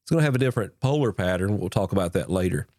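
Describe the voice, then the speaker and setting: A man with a congested, nasal voice hosts his own instructional podcast, sitting right up on a broadcast microphone. His voice is low and set in a dry, dead room. He talks in an earnest, encouraging way, with plenty of casual fillers. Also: animated, very fast, darkish tone, no room sound. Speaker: pastor and podcast host. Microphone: dynamic broadcast mic, close.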